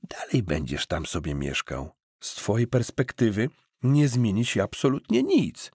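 A man acts out a pushy, smooth-talking hustler in an audiobook. He is emphatic and coaxing like a salesman, with lively swoops of pitch and a rough-edged voice, recorded very dry. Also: no echo, full character voice. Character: smooth-talking eager hustler cousin, persuasive adult man.

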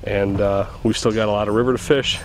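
A man in his thirties hosting a casual fishing vlog, talking excitedly to a camera held at arm's length outdoors on a small river boat. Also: lowish voice, quick pace, slight background noise. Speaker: host of fishing channel. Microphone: handheld camera at arm's length.

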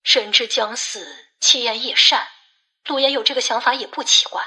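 A woman's voice: on the high side, steady tone, moderate pace, sharp tone. A woman playing a cautious, shrewd woman who questions and advises with control in an audiobook drama. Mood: cautious advising. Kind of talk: audiobook dialogue acting.

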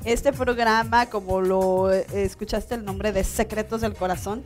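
A woman in her thirties from Mexico hosting a studio interview, chatty and quick to laugh. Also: mid-range voice, fairly even intonation, faint music behind. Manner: laughs often, warm and chatty. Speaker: talk show host. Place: small TV studio.

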